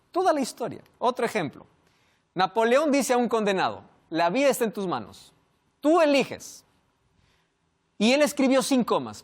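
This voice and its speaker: Animated preacher with wide pitch swings. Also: male voice. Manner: rhetorical questions, dramatic pauses, swings from loud to hushed. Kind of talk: sermon.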